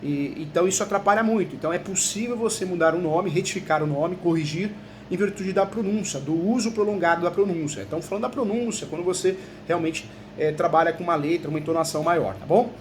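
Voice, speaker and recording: A Brazilian man, a law professor, giving a conversational video lesson and often tagging his sentences with quick questions to the viewer. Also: sits high, slight background noise. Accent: Brazilian Portuguese. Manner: chatty, peppers talk with tag questions.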